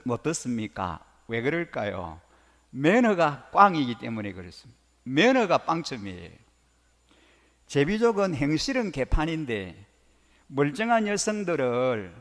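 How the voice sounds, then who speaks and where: A male pastor preaching a sermon in a church sanctuary, lively and conversational, mimicking regional speech for effect. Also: fairly high pitch. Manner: lively preaching with dialect imitations. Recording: reverberant church hall.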